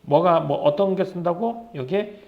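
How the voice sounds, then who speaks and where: This literature lecture comes from a male teacher with a high voice who speaks at a moderate pace. He poses rapid questions to the class and answers them on his own, all in a roomy, slightly dull recording.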